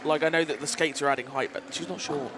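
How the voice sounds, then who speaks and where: A man co-commentating live roller derby on a headset, easygoing and quick with banter. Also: fairly high pitch, steady tone, noisy background.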